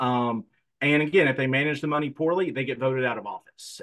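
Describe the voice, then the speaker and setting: A man with an American accent, fairly high-pitched, talking very fast against a quiet background. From rural northwest North Carolina. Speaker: state legislator, economist, candidate; candidate. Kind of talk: political forum answers. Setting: video call. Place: home room. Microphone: video call.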